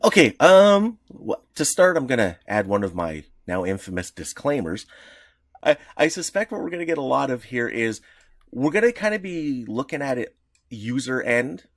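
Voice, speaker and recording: A man co-hosting a casual podcast, explaining in a rambling, halting way full of restarts. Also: mid-range voice, big pitch swings, no echo, studio quality. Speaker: podcast co-host.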